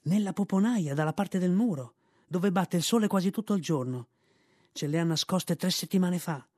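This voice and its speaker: Flattering featherbrained songbird, eager and high, voiced by a man. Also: normal speed, no echo, clean studio sound. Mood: fawning. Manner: fawning, eager. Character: silly little male songbird, flattering and scatterbrained.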